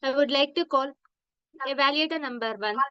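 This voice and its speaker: A woman's voice: high voice, fairly quick, no echo. A woman hosting a meeting over an online call, her voice fuzzy and distorted, making polite, formal announcements. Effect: distorted, fuzzy online call audio. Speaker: meeting host, Toastmaster of the day. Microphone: video call. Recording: dull, lo-fi distorted call line.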